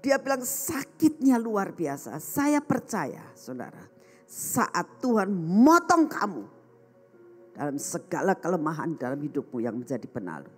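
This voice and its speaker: A woman's voice: fairly low pitch, huge pitch swings, a little slow, husky, soft background music. A woman evangelist preaching a sermon, telling a story animatedly and acting out the voices in it. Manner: addresses the congregation as brothers and sisters.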